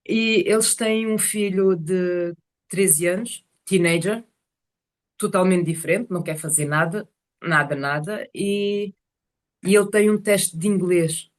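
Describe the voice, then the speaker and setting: A woman telling casual personal stories to a group on a video call, animated and often searching for words. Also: on the low side, measured pace. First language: Portuguese is one of several languages spoken.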